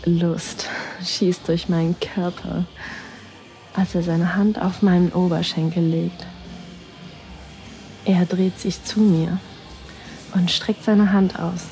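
A woman narrating an erotic audio drama in the first person, in a breathy, sensual way that slips into whispers. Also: lowish voice, fairly even intonation, slow pace, long pauses, mellow, soft background music, rough recording.

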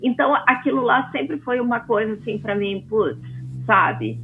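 A Brazilian woman in her forties, a guest in an interview, chatting in a lively way with many asides. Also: on the high side, normal speed, vocal fry, a little hiss or hum. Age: 40s. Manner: chatty, animated storyteller with frequent asides. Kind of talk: casual interview talk. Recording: tinny phone-like line.

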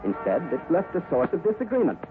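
Measured man narrating an old radio drama. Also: sits high, huge pitch swings. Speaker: announcer. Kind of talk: scripted narration. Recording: narrow 1950s radio broadcast with music.

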